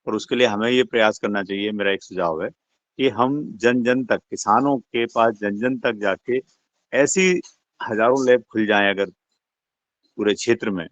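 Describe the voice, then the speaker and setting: A man addressing an online meeting over a phone or call line. He speaks formally and measuredly, pausing often with drawn-out fillers. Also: fairly low pitch, no room sound. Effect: heard over a phone or online call line. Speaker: meeting participant. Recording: dull, lo-fi, dry call audio.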